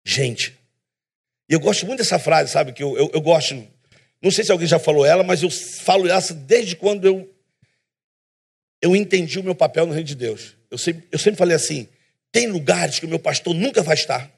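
A man preaching a sermon in a church, emphatic and animated, with self-deprecating humor. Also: on the high side, normal speed, vocal fry, husky.

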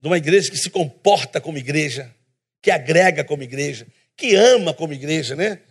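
A man preaching a sermon in a church, emphatic and animated, with self-deprecating humor. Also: a little high, a little fast, breathy edge.

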